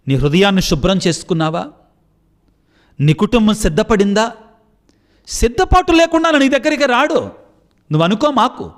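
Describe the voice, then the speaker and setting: A Catholic priest delivers his sermon with fervour. His male voice sits high and swoops widely as he pleads with the listeners. When he turns to leading the prayer, his voice grows softer and lower. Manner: impassioned preaching, rising high on appeals.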